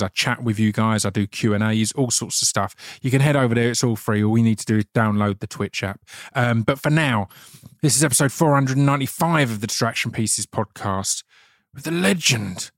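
A man's voice: mid-range voice, no room sound, clean studio sound. A middle-aged man with an Essex accent hosting a casual podcast, chatty and informal, often restarting his words. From Essex, England. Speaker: podcast host.

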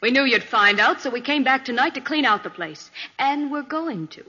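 Imperious villainess, ringing reverb. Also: female voice, high-pitched, expressive, moderate pace, sharp tone, husky, exaggerated voice. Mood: menacing, commanding. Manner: imperious, menacing. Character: cold, commanding female thief holding a gun. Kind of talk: 1940s radio villain acting. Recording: dull, echoing vintage radio recording.

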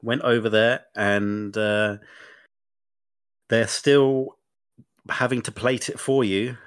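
On a clean, studio-quality recording with no room sound, a podcast co-host talks slowly in a lowish, clean-toned voice with fairly even intonation. He's a bit sniffly, and his casual chat drifts through long, chatty stories thick with fillers.

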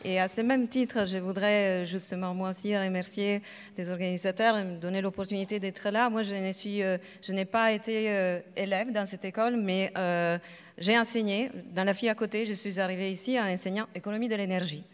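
A woman's voice: medium pitch, fairly even intonation, fairly quick, smooth. A woman professor speaking on a conference panel, hesitant and full of filler sounds as she searches for words. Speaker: energy economics professor, panelist. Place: lecture hall at a school. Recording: reverberant conference hall.

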